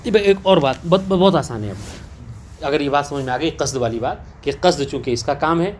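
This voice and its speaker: A man's voice: on the high side, lively intonation, a little hiss or hum. A man teaching a class on religious law, explaining a text and often checking with rhetorical questions that the students follow. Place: teaching session with students present.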